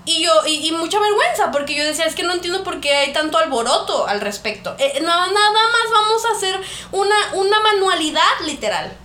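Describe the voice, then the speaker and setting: Mexican woman chatting on a podcast, high bright voice, lots of laughing, kinda echoey room. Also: fairly quick. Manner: animated, laughs often, acts out quoted voices. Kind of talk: casual storytelling chat. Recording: echoey room with faint noise.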